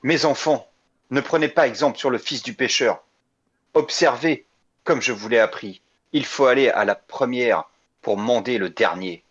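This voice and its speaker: A wise adoptive father figure, as a man puts him on speaks to his children in a loud, solemn, teaching tone. His voice sits at an everyday middle pitch. The sound is dull and lo-fi. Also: moderate pace, slightly rough.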